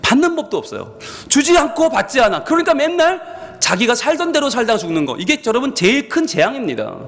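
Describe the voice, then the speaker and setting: A male senior pastor preaching a sermon, with sudden swings in pitch and volume, acting out what his listeners might think in quoted asides. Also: very animated, fast, fairly bright tone, big-room sound. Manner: acts out the congregation's thoughts in quoted asides. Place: church sanctuary.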